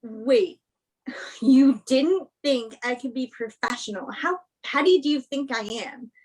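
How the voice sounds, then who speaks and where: A woman's voice: high-pitched, takes it slowly, darkish tone, husky, full character voice, poor audio. A woman acting a bitter, guarded young woman, confrontational and sarcastic, in a staged play reading. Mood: shocked, hurt.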